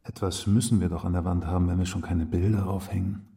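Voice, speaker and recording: An actor playing a calm, withdrawn, soberly strict male housemate in a literary radio play, speaking tersely and unruffled. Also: sits low, quick pace, gravelly, distant mic. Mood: sober, questioning.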